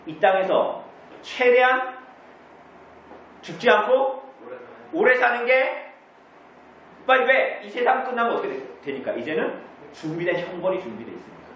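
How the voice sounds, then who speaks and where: In a church meeting room, a pastor teaches a group about the catechism, posing questions to the congregation and answering them himself. His high-pitched voice is animated and a bit bright at normal speed with long pauses, and the distant, echoey, dull recording carries a little hiss or hum.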